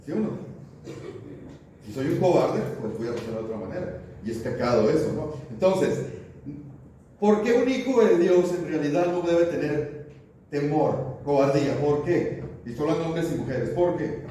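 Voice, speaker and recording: Middle-aged pastor, folksy sermon delivery, dark mellow voice pitched a bit high, full of rhetorical questions. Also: male voice, expressive, moderate pace, slight background noise. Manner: keeps asking the congregation rhetorical questions; folksy, anecdotal preaching. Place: church sanctuary. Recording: echoey church room, mic at a distance, faint ambience.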